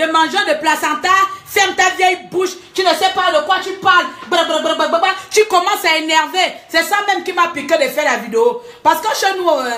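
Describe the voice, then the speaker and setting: Ranting angrily at the camera from home, a woman vlogger scolds her critics and laughs between jabs. Her voice sits high with a fairly bright tone, and the recording has an echoey room sound.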